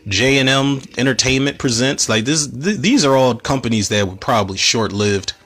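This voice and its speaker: A man with a slightly hoarse voice, hosting a casual movie commentary podcast, rambling and cursing as he talks. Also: medium pitch, normal speed, a bit bright. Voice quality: rambling, profane, self-interrupting.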